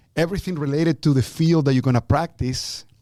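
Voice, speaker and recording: In a Spanish accent, a man speaks very fast with a dark, mellow tone and ordinary pitch variation, his voice dry and close with no echo on a very clean recording over a silent background. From Colombia, Caribbean coast. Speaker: immigration attorney. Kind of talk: podcast interview.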